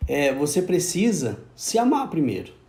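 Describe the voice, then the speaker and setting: Relaxed man talking casually, echoey room. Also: a little high, normal speed. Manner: relaxed, slangy, conversational. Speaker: co-host of a self-knowledge live. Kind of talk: casual talk on self-help.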